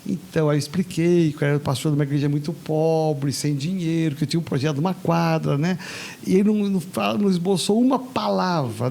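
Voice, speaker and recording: Older brazilian pastor telling stories, high pitched, gravelly, acts out the voices. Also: male voice. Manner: animated anecdote teller, acts out quoted voices. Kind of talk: storytelling in casual chat.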